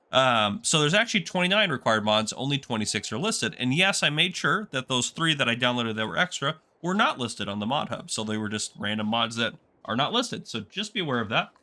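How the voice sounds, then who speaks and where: Congested man with a bright voice. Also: medium pitch. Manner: chatty and easygoing, rambling asides. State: sore throat. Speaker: gaming channel host. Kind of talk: casual game map tour commentary.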